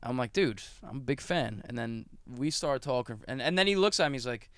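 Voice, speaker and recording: A man's voice: medium pitch, brisk, dry recording, studio quality. A man hosting a podcast, telling a story casually and acting out the lines of the people in it. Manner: animated storyteller acting out quotes. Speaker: podcast host.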